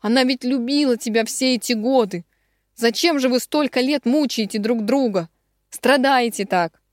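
A woman reads an audiobook, lightly acting as a middle-aged woman who is tearful, indignant and close to sobbing, pitching her voice above her natural register. Her voice sits on the high side at a moderate pace, in a clean, dry studio recording.

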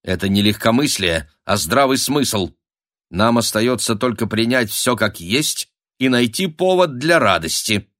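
A man voicing a sleepy, sardonic young noblewoman who answers flatly and with irritation. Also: mid-range voice, a little slow, dry recording, clean studio sound, voice pushed up. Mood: weary dry. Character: weary, dry-witted young noblewoman daughter.

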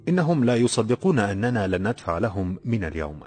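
A man doing a bold young laborer, low-voiced. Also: animated, very fast, husky, soft background music. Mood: defiant. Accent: Egyptian. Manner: confident, teasing.

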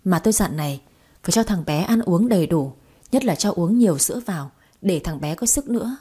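A woman voicing a brisk female hospital nurse who scolds and gives instructions, in an audio story. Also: fairly low pitch, animated, dark tone, slightly rough.

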